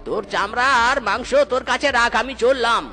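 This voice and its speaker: An actor plays a tight-fisted old cartoon duck with a bright, forceful voice. He scolds and haggles in exclamations, repeating himself impatiently, over faint music. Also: mid-range voice, brisk. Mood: irritated, haggling. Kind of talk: Bengali comedy cartoon dialogue.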